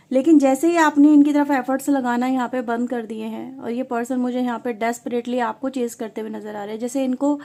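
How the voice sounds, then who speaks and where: High-voiced woman reading tarot. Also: mellow. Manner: conversational, mixes English words, addresses viewers often. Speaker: tarot reader. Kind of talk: casual tarot reading to viewers.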